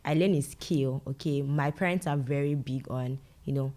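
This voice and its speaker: A woman's voice: rumbling low, normal speed, mellow. A young woman with a Nigerian accent, answering conversationally as an interview guest. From Lagos, Nigeria. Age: young adult. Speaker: interview guest, medical doctor and content creator.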